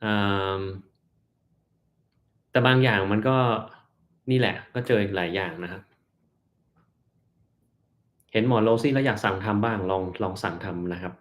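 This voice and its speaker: A man hosting a casual livestream, calmly answering viewers' health questions in a relaxed, polite way. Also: fairly low pitch, moderate pace.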